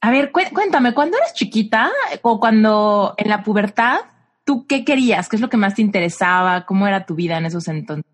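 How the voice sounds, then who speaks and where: A woman's voice: medium pitch, lively intonation, fairly quick. A woman from Mexico hosts the conversation, asking her questions in an upbeat, enthusiastic way. Her voice sits mid-range for a woman. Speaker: host. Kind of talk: casual interview.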